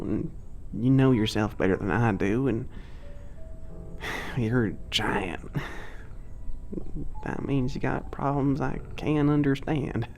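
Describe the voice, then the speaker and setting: A man doing a gentle young giant with a gravelly edge to his voice, talking in folksy, halting turns of phrase. He is shy and lonely. It plays as a soft ASMR audio drama with faint ambience behind him. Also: medium pitch, slight background noise. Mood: earnest.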